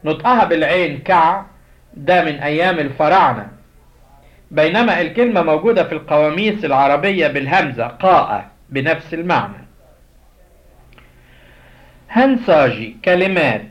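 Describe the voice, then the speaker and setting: A man with an Egyptian Arabic accent gives a language lesson in a fairly high voice. He spells out each word slowly and repeats it for practice. The audio is dull and lo-fi. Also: expressive. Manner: slow, drilled repetition of words. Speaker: Coptic language teacher.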